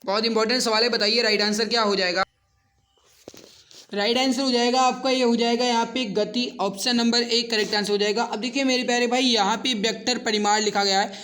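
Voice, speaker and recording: A man teaches an exam class in a high-pitched, sharp, bright voice. He works through quiz questions in an instructive way, speaking directly to his students and restating each question and answer. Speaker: exam-prep science teacher. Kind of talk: online lesson, working through quiz questions.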